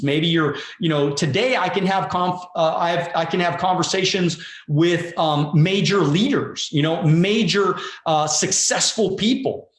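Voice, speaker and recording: A man's voice: high voice, fairly bright tone. A man in his forties, a guest wealth coach, talking in an emphatic, casual way, repeating words and swearing freely. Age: 40s. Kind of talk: motivational conversation. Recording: roomy echo.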